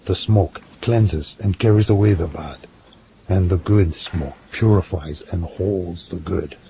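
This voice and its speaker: Man acting a solemn low, gravelly Native American elder-lore storyteller. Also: slow, mellow. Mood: solemn, wry. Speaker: storyteller and ceremony leader. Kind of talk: audio drama acting. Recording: clearly noisy recording.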